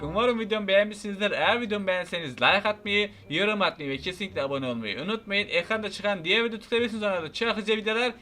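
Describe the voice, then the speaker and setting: Man, game commentary, high voice, bright forceful tone, shouty and playful, faint music behind. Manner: shouty, playful, talks to viewers. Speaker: gaming channel host.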